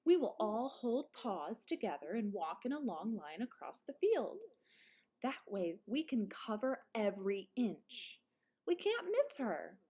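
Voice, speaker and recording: A woman's voice: medium pitch, big pitch swings, unhurried, mellow, slightly rough. A woman voicing a worried young boy rabbit, an anxious big brother who exclaims and calls out, in a children's storybook read-aloud. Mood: excited, resolute.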